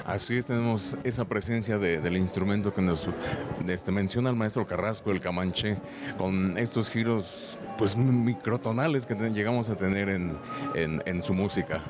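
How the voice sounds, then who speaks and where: A man's voice: on the low side, normal speed, music in the background. A man hosting a broadcast interview, polite and sometimes searching for words. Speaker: radio host.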